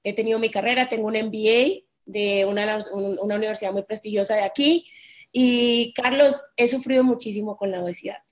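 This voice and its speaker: A woman's voice: mid-range voice, steady tone, a little fast. Candid Colombian woman telling her story. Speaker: guest. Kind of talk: personal interview.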